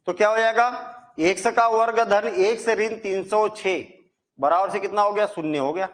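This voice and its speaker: A man with a high voice explains a maths exercise step by step. He talks to his students in a chatty, reassuring way, and he keeps asking questions and then answering them himself. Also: steady tone, moderate pace. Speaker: maths teacher. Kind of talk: Hindi maths lesson.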